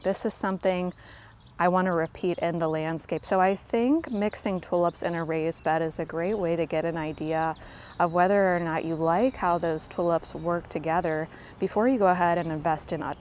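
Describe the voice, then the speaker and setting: A woman's voice: on the low side, normal speed, a little mellow. Chatty woman walking her garden. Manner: chatty and self-deprecating, talks to viewers as friends. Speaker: garden vlogger. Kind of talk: casual garden tour narration. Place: outdoors in a home garden. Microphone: handheld phone camera, speaker off screen.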